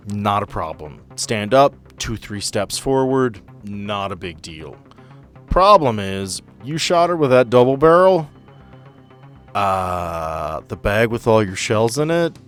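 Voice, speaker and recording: Low-voiced man narrating a tabletop game. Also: a bit bright. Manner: vivid, dramatic scene-setting with casual asides. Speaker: game master (keeper).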